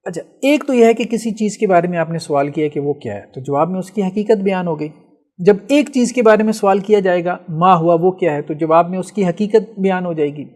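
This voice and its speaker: A man's voice: high voice, darkish tone. A man teaching a logic lesson, explaining step by step and answering his own questions. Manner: often checks with "theek hai". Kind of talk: classroom lecture.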